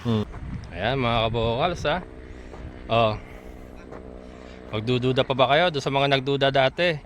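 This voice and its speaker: A man vlogging a casual walking tour of a land development outdoors, chatty and quick to laugh as he points things out to his viewers. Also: mid-range voice, poor audio. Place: outdoors at a rural lot by a road. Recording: outdoor phone recording with loud traffic noise.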